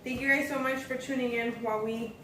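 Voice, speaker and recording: Higher-voiced American woman in echoey room. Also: steady tone, fast, fairly bright tone. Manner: informal, addresses viewers directly. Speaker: vlog host. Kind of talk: casual vlog chat. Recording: echoey room, distant mic, faint noise.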